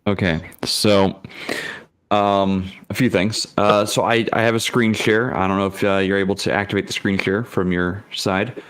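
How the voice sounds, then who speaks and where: A man talking casually on an online panel as a game master, haltingly thinking aloud and using salty, colloquial language. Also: lowish voice, fairly even intonation, a bit bright, clean tone, dry recording. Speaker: game master on a tabletop role-playing panel. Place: remote online video call.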